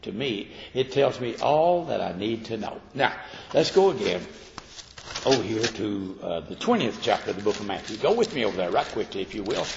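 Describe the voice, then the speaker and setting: A man's voice: fairly low pitch, big pitch swings, normal speed, vocal fry, a little mellow, slight background noise. A man preaching an evening sermon, reading scripture aloud and pressing his points earnestly, rising to emphatic peaks. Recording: echoey hall, dull lo-fi recording.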